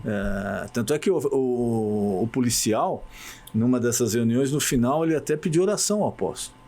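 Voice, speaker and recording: A man speaks as a church guest, telling stories with emphasis. His pitch climbs and falls a lot, and he lands firmly on his key points. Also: moderate pace. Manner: animated storyteller, emphatic. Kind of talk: casual talk show conversation.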